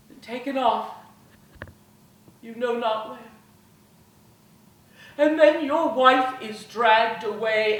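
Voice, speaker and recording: A woman playing an earnest, gentle woman abolitionist who speaks in measured, pleading oratory, in an echoey hall. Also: sits high, recorded from a distance. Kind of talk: one-woman historical storytelling performance. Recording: echoey hall, faint room noise.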